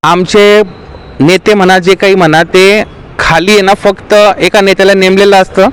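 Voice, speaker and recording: A man's voice: high-pitched, little pitch movement, normal speed, fairly bright tone, clean tone, low-quality recording. A man, a local party official, making an earnest, aggrieved statement to the press and appealing to party workers.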